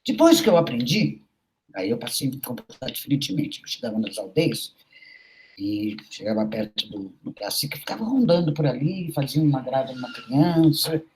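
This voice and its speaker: A woman's voice: very deep voice, big pitch swings, moderate pace, a little mellow, rough recording. A middle-aged woman, a university professor, giving a recorded lecture in an anecdotal, storytelling way with frequent conversational tags.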